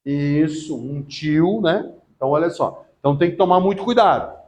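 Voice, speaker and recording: A middle-aged man giving a classroom theology lecture, lively and often asking the class questions. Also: fairly high pitch, moderate pace. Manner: lively, asks the class questions and acts out quotes. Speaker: theology teacher.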